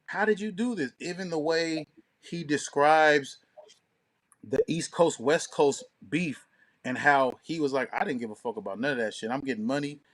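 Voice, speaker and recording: A man's voice: a little high, normal speed, a bit bright. Slangy, opinionated man chatting on a podcast. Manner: slangy, opinionated, emphatic talk with heavy profanity. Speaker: podcast co-host and DJ. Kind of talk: casual podcast conversation.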